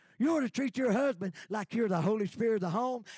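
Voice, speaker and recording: A man talks with a dark, mellow tone and lively intonation. The sound is dry and close, with no echo. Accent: Southern US. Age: 60s. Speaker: pastor. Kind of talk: sermon. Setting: church. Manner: animated.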